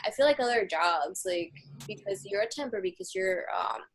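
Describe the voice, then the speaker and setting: A woman's voice: mid-range voice, lively intonation, moderate pace, rough recording. A young woman from Mexico chatting casually about her job search as a coaching client, filling her talk with "like" and "um". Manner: chatty, lots of "like" and "um" fillers. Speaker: coaching client giving a testimonial. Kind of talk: casual interview answers.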